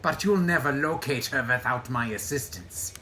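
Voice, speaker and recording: An actor playing a ruthless Nazi general in an audio drama, pompous, theatrical and taunting. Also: male voice, medium pitch, lively intonation, normal speed, bright, forceful tone, a little hiss or hum. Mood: bargaining. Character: ruthless, gloating Nazi general bargaining for his life.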